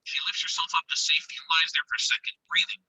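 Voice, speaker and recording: A man with a breathy voice reading screenplay stage directions as an intense, suspenseful narrator. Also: a little high, level tone, fast, sharp tone, no echo, low-quality recording. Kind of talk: dramatic scripted narration of screenplay action.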